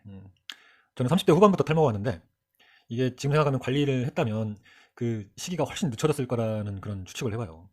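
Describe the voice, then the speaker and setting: A man's voice: medium pitch, lively intonation, quick pace. A man in his forties with a light North Jeolla Korean accent, giving a rambling, joking history lesson. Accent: light North Jeolla Korean accent with Chungcheong features. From Jeolla region of South Korea. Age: 40s. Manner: rambling, joking, self-mocking asides. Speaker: history teacher. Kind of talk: casual lecture.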